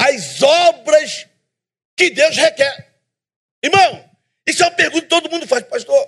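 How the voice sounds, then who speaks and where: With an extremely high pitch, a man talks in an animated tone and lively intonation, leaving long, frequent pauses. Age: 50s. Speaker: preacher. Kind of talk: sermon. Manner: animated, questioning the congregation.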